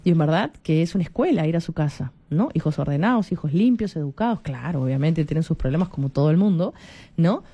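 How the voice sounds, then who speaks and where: A woman's voice: low-pitched, expressive, quick pace, husky, lo-fi sound. A woman in her forties with a Peruvian Spanish accent, hosting a Catholic radio program in a chatty way, often tagging her sentences with little questions and restarting them. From Peru. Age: 40s. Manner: chatty, frequent tag questions, many restarts. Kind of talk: casual radio talk.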